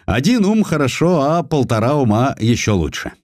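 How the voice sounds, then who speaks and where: A man's voice: medium pitch, sing-song, normal speed, no echo, studio quality, voice pushed up, close to an everyday voice. A man voicing a proud old general with a blunt, insolent tongue in an audiobook historical sketch. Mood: insolent pride. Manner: blunt, insolent, pointed delivery. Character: proud, sharp-tongued old general, male, mocking royalty.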